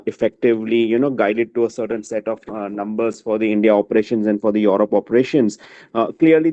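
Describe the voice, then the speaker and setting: Mellow, hesitant male analyst on dull line. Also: mid-range voice, dry recording. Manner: hesitant, circling phrasing. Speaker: financial analyst asking questions. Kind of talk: unscripted question on an earnings call. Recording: dull, dry conference call audio.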